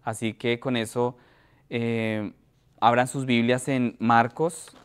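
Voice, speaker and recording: A man preaching in a church, reading a scripture passage aloud and then explaining it with frequent pauses and restarts. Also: mid-range voice, steady tone, clear, resonant tone. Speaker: pastor.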